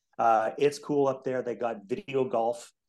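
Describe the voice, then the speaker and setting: A man talks with a Canadian accent at a fairly slow pace, his intonation fairly even. It is a plain, everyday voice, with a quiet background. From Ontario, Canada. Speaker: city councillor. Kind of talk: interview.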